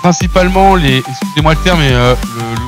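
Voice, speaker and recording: Man playing a halting, lecturing official over music. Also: fairly high pitch, close to an everyday voice. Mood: exasperated. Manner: hesitant, halting, wordy explanations. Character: male official, exasperated, lecturing after security drill. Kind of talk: improvised online roleplay game.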